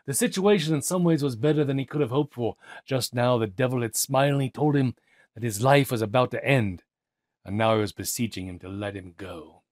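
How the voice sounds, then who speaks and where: A man narrating an audiobook as dramatic literary storytelling, theatrical, with deliberate pauses and emphasis. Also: mid-range voice, a little mellow, no room sound, clean studio sound.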